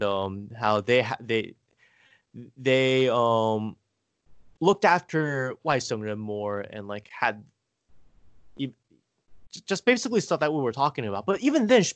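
A man's voice: mid-range voice, no room sound. Rambling man, dry close sound. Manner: rambling, hesitant, frequent filler "like". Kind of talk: casual conversation.

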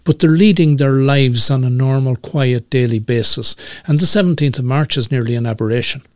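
Older irish guy chatting on an interview, slow and thoughtful, lots of ums, dry sound. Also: mid-range voice, darkish tone, no room sound. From Ireland. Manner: measured, thoughtful, with frequent fillers. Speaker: guest, community radio broadcaster. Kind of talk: conversational interview.

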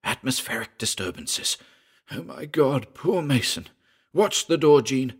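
A man's voice: medium pitch, big pitch swings, unhurried, breathy edge, voice pushed up. A man voicing a haunted, muttering man in a trance. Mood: alarmed. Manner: muttered, dreamy and guttural in trance. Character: shaken man slipping into trance memories. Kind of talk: audiobook dialogue reading.

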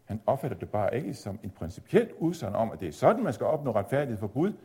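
A man giving a measured, explanatory theology lecture, at times pausing on fillers. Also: lowish voice, sing-song, darkish tone, breathy edge. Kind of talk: spoken lecture on Luther's reading of Galatians.

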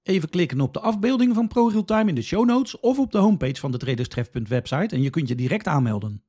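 A man's voice: on the high side, big pitch swings, quick pace, dark tone, slightly rough. A man from the Netherlands, hosting a podcast with scripted, instructional explanations addressed directly to the listener. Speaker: podcast host.

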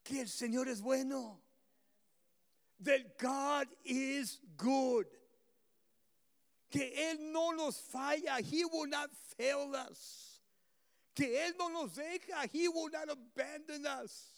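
A male pastor preaching a bilingual sermon, repeating each line in a second language and building to fervent shouts. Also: very high-pitched, very slow, gravelly, big-room sound. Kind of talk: bilingual sermon, switching between phrases.

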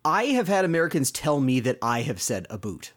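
A Canadian man in a relaxed podcast chat, his pitch jumping around a lot as he talks. He breaks into little mock voices when he quotes a show. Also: brisk. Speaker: podcast co-host. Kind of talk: casual chat reviewing a show.

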